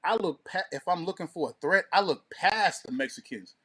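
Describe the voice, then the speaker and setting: A man's voice: high voice, lively intonation, a little fast, sharp tone, breathy edge. A man co-hosting an online show, chatting casually with heavy slang.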